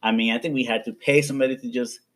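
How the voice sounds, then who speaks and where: A man's voice: medium pitch, fairly even intonation, very fast. A thirty-year-old man co-hosting a casual podcast with friends, upbeat and a little sassy. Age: 30s. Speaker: podcast co-host. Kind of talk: casual chat.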